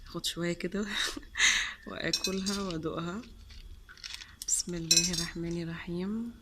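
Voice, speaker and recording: A woman's voice: on the low side, fairly even intonation, moderate pace, heavy background noise. Chatty Egyptian woman gushing over sweets. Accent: Egyptian Arabic. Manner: chatty and gushing, repeats words for emphasis; sprinkles in English and French words. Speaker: vlogger. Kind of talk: casual taste-test chat.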